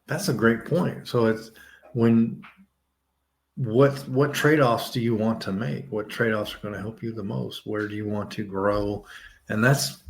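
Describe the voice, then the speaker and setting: Man hosting a podcast, lowish voice, talks casually, sums up what his guest says. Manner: conversational, paraphrases the guest's points, chuckles. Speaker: podcast host.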